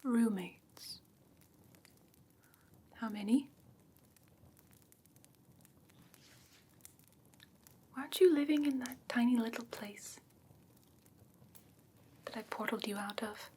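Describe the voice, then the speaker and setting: A woman playing a doting, slightly haughty fae creature in a soft, breathy ASMR whisper, gentle and genteel with coaxing endearments. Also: on the high side, measured pace, long pauses. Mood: politely curious. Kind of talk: whispered ASMR fantasy roleplay.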